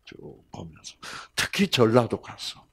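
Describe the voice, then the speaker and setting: A middle-aged man gives a folksy health lecture at an unhurried pace. His voice has a husky edge. He pauses often with fillers and slips in homely humor. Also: mid-range voice, sing-song. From Gyeongsang region, South Korea.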